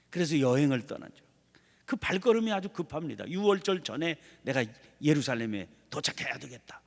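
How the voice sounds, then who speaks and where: A man's voice: fairly high pitch, vocal fry, long reverb tail. A man preaching an early morning prayer sermon in a church, acting out imagined prayers as he teaches. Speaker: pastor. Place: church sanctuary.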